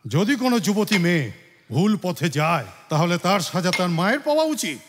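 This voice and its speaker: A man's voice: sits high, big pitch swings, fairly quick, background noise. An actor dubbing a stern middle-aged father who demands answers from his family. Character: stern village father, feared patriarch. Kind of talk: dubbed film dialogue. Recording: film soundtrack with music and reverb.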